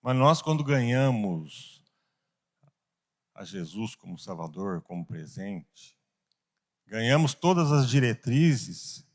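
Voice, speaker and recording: Earnest low-voiced Brazilian man teaching. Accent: Brazilian Portuguese. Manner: earnest, rhetorical questions, slow emphatic pauses. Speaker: Sunday school teacher. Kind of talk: Bible class teaching.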